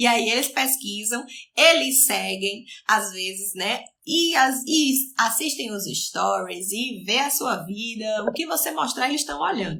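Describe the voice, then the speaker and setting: A woman talks fairly slowly in a fairly high pitch that swings very widely. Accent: Bahian. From Bahia, Brazil. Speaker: educational psychologist and mentor. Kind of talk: live stream chat answering viewer questions. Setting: live stream. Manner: talkative.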